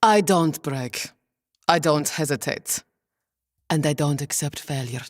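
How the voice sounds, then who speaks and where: An actress playing a stern, hardened female lieutenant in a sci-fi audio drama, curt, deadpan and commanding. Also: sits low, measured pace. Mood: cold, curt.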